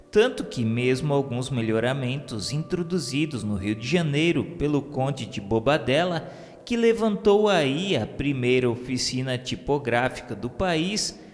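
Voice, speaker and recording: Slow, reverberant Brazilian male narrator. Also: mid-range voice. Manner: measured, formal, literary delivery. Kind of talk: solemn scripted narration of a religious radio novela. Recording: long reverb with music bed. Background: music.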